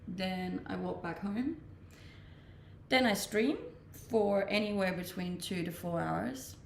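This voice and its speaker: A young woman from Denmark, a native Danish speaker, chats casually on a live stream, reading questions aloud and answering them. Her voice has a gravelly edge. She sits a little back from the mic in a roomy space with faint background noise. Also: lowish voice, far from the mic. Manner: relaxed, reads questions aloud then answers. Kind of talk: casual chat.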